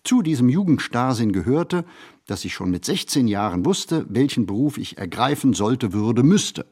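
An actor playing a reflective ageing writer in a literary radio play monologue, phrasing in a measured, deliberate way. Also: male voice, mid-range voice. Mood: wry, reflective. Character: reflective ageing male writer recalling a poor childhood.

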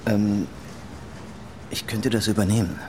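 A man's voice: lowish voice, steady tone, a little slow, background noise, close to an everyday voice. A man acting an easygoing, helpful shopper in a radio drama, casual, nonchalant and a little flirtatious. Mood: nonchalant, generous. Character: easygoing, helpful male supermarket customer, breezily flirtatious.

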